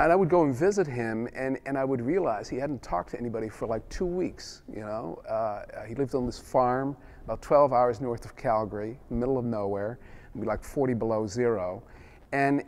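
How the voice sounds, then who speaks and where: A middle-aged man from the Netherlands, Dutch by first language, talks about his work in an easygoing interview. He rambles, restarts his sentences and leans on fillers, and his pitch sits in a plain middle range. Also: a little mellow. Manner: rambling, many restarts and "you know". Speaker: film director. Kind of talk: casual interview answers.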